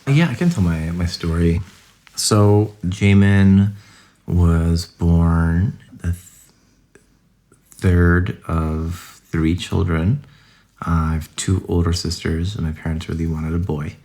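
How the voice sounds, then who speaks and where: Very deep-voiced man telling stories. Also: fairly even intonation, slow, dark tone. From United States. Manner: chatty, rambling with many "like"s. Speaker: guest. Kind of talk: casual interview storytelling.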